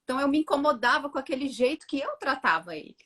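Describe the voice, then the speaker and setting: A woman in her thirties, a mother telling her story on a casual live chat, acting out her own words with lively energy. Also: high voice, fast. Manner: animated storytelling, acts out her own quotes. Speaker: guest, mother of two.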